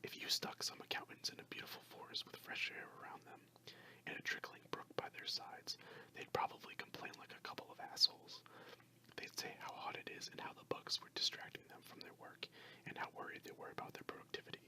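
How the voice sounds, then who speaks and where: A narrator voicing a grumbling, boastful male traveler in a breathy, emphatic ASMR story whisper. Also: a little fast, lightly acted, rough recording. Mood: boastful, mocking.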